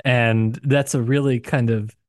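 A man co-hosting a casual book discussion podcast, hesitant and searching for words, with frequent restarts and sudden rises in pitch. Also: measured pace, no echo, studio quality. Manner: hesitant, many restarts and hedges, animated pitch jumps. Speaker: podcast co-host discussing a novel.

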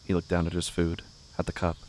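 A man with a gravelly voice narrating a literary horror audio drama in measured, somber, short phrases. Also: sits low, monotone. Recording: faint background noise with night insects.

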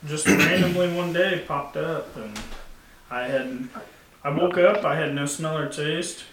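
A man's voice: on the high side, a little slow, distant mic, crowd noise. A man telling stories in a loose, laughing way, swearing freely as a podcast co-host. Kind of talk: casual storytelling chat. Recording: echoey room, off-mic, faint noise.

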